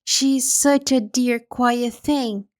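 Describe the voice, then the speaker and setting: A woman voicing a polite, curious young girl in a storybook, speaking gently and earnestly. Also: fairly high pitch, fairly even intonation, slow.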